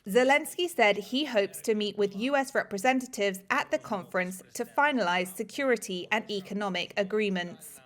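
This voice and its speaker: A woman narrating a scripted news report in a measured, matter-of-fact way as a reporter. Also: medium pitch, fairly bright tone.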